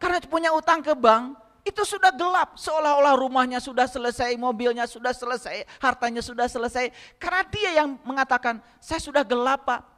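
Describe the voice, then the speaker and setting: High bright-voiced man preaching in a hall. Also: fairly quick. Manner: asks the audience rhetorical questions and addresses them directly. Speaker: religious lecturer. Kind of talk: spiritual lecture to a congregation.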